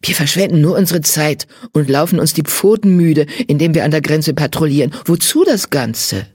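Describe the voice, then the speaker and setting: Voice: mid-range voice, moderate pace, a little mellow, breathy edge, no room sound, studio quality, natural voice. A reader voicing a sullen, hot-tempered black tomcat who grumbles and hisses his complaints. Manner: grumbling, hissing.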